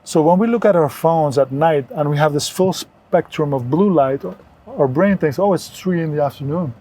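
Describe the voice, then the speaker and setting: Higher-voiced mellow man from Belgium, explaining earnestly. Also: normal speed. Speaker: interview guest, wellness entrepreneur. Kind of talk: conversational health advice.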